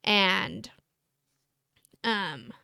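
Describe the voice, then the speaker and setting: A woman's voice: mid-range voice, lively intonation, very slow, vocal fry, bright, forceful tone, smooth, no room sound, clean studio sound. A woman co-hosting a candid couple's conversation, earnest and rambling with many fillers. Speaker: podcast co-host.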